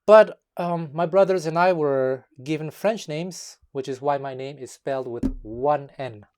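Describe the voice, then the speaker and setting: A man from Montreal whose first language is Taiwanese speaks to the camera in a measured video essay. He chooses his words carefully and often pauses on um and uh. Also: fairly high pitch, darkish tone. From Montreal, Quebec, Canada. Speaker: guitar teacher and musician.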